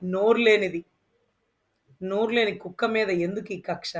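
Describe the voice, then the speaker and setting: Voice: medium pitch, fairly even intonation, normal speed. An interview guest speaking with passion, firing off emphatic rhetorical questions. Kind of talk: impassioned interview talk.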